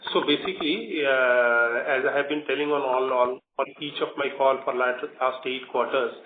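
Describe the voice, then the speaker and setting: An Indian man speaking as a company executive, answering questions on an earnings call with repetitive, emphatic explanations. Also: mid-range voice. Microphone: conference call phone. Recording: roomy, noisy narrowband conference phone line.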